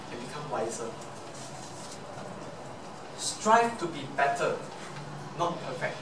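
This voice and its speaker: A young man from Malaysia with a Malaysian English accent, a Chinese native speaker giving an earnest motivational speech full of rhetorical questions. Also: a little high. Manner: earnest, rhetorical questions, slow emphatic repeats. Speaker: club speaker. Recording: echoey room from far off, noisy.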